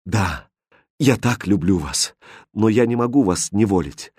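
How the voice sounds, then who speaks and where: Brief: male narrator doing an impassioned fairy-tale king, animated pitch, dry studio sound. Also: measured pace, breathy edge, dry recording. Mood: ardent. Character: passionate young king, ardent and dramatic. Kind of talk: audiobook character voicing.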